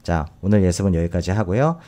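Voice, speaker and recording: Man, teacher, recorded lesson, lively pitch, slow repeated word drills, keyboard typing behind. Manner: explains step by step, models English words slowly and repeatedly. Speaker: English teacher. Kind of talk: recorded vocabulary and pronunciation lesson.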